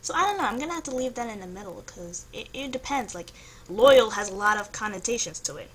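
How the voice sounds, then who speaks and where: A woman's voice: on the high side, animated, fast, a bit bright, poor audio. A young woman vlogger chatting casually, thinking aloud in a hesitant, noncommittal way as she works through a quiz. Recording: home recording with faint background noise.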